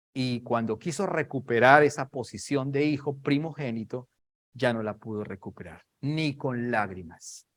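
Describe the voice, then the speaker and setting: Preacher, dramatic and emphatic. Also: male voice, mid-range voice, a bit bright. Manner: dramatic, acts out Bible scenes in raised voices; repeats phrases for emphasis. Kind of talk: sermon.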